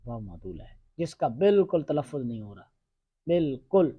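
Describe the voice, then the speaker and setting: A male teacher giving a classroom grammar lesson, drilling his students with quick questions and repetitions. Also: medium pitch, very animated, breathy edge, no room sound, phone-quality sound.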